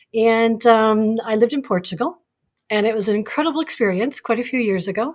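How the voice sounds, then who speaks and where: At a fairly quick pace, a woman speaks in a fairly high pitch. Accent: American. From USA. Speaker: business coach and former basketball player. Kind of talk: interview. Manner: hesitant, many fillers.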